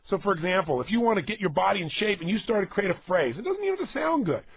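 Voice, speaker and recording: A man's voice: sits high, very animated, fast talker, highs cut off, slight background noise. A man giving a motivational talk to a studio audience, emphatic, repeating himself and urging listeners to act. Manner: emphatic, repetitive and exhorting. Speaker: motivational speaker.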